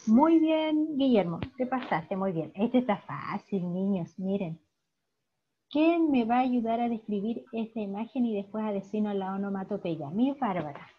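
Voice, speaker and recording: A woman teacher with a Chilean accent giving an online class, praising her students warmly and explaining patiently. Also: medium pitch, animated, moderate pace, breathy edge. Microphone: video call. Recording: dull lo-fi video call audio.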